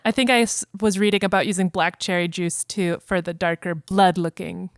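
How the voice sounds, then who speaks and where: A woman chats on a podcast and reads a story aloud. Her voice is smooth and clear, recorded dry and close. She is relaxed and conversational. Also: fairly low pitch, brisk, no room sound. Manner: chatty, reads narration in a soft even voice. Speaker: podcast co-host reading a fan story. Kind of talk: casual chat and reading aloud.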